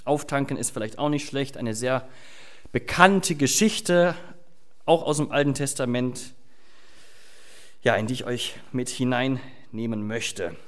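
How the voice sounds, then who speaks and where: A man's voice: mid-range voice, measured pace, pauses often, fairly bright tone. A man preaching, reading scripture and chatting casually with the congregation with fillers and asides. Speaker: pastor. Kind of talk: sermon with Bible reading.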